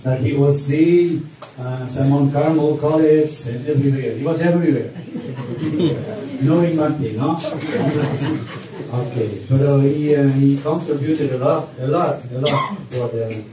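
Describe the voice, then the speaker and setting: A man shares memories at a memorial vigil, halting with many fillers and a habitual tag question. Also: fairly high pitch. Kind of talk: informal remembrance speech. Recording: echoey room, distant mic, faint noise.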